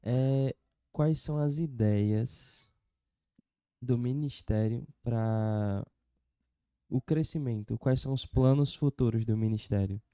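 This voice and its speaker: Guy hosting a podcast, mellow dark voice, dry close mic, asks stuff calmly. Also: medium pitch, slow, clean tone, no echo. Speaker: podcast host. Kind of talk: casual podcast conversation.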